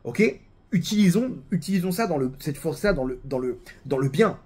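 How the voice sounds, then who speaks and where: A man with a French accent giving a casual religious talk, animated and full of restarts and repeated words. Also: a little high, fairly quick, husky.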